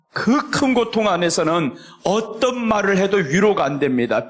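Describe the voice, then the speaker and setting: A middle-aged male pastor delivers a sermon in a high-pitched voice. He preaches expressively, acting out quoted voices and reading scripture slowly. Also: fairly bright tone.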